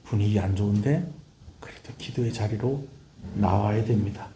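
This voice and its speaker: A man's voice: lowish voice, normal speed, warm tone, echoey room, a little hiss or hum. A man, a pastor with a Gyeongsang accent, preaching a fervent sermon and calling out to his congregation. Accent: Gyeongsang Korean. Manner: preaching with rising fervor and call-and-response. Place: church sanctuary.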